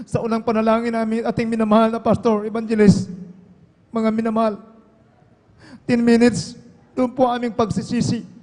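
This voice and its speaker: Man from Palawan, high voice, fervent church testimony in a reverberant hall. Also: completely flat delivery, normal speed, long pauses, darkish tone. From Palawan, Philippines. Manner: fervent, keeps saying "praise the Lord" and "beloved". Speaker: church member giving testimony.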